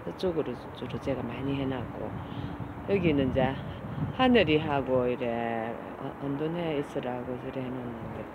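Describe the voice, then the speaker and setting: A woman's voice: very deep voice, lo-fi sound, noisy background. A middle-aged woman, talking in a casual vlog as she coaxes and feeds stray cats outdoors. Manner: coaxing, doting talk to cats, slow and soft. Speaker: cat caretaker vlogger. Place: outdoors by a street.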